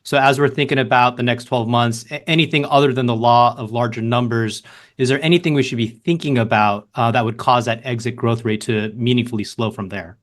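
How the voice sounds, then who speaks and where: A man's voice: mid-range voice, fairly even intonation, brisk. A man asking questions as a financial analyst on a conference call, informal and courteous.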